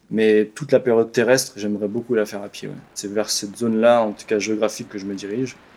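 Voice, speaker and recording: The man talks at a very fast pace with a fairly low pitch. His loudness swings widely. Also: fairly even intonation. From Brittany, France. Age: 20s. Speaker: adventurer. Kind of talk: interview.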